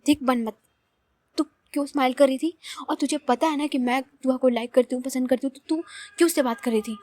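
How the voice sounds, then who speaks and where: A woman's voice: high-pitched, steady tone, brisk, a little mellow, no echo, lightly acted. A woman voicing a hot-tempered, possessive young woman who talks bluntly and impatiently. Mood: angry.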